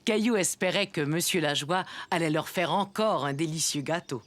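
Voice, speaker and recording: A woman playing a gentle storyteller, narrating a children's cartoon in a scripted storybook style. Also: low voice, normal speed, close to an everyday voice. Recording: music behind.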